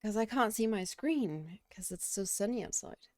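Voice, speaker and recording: A woman from Denmark with a Danish accent talks in a mid-range, expressive, slightly mellow voice at normal speed. While gaming at her home computer, she chats casually, reading out and answering questions from chat, in a room with windows and curtains. The audio is studio quality, with no room sound.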